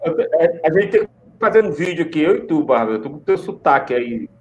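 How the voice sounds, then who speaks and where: Live podcast host: man, Northeastern Brazilian accent, playful banter, slightly high pitch. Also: big pitch swings, a little fast, slight background noise. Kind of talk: casual live podcast chat.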